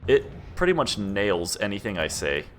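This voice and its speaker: A young man streaming a video game, chatting casually in a flat, laid-back monotone. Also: lowish voice, normal speed, slight background noise. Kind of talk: casual gameplay commentary.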